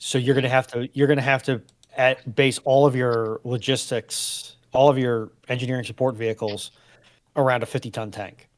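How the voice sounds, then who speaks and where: A man's voice: mid-range voice, level tone, normal speed. A man talking informally in a history discussion, explaining points with colloquial turns of phrase.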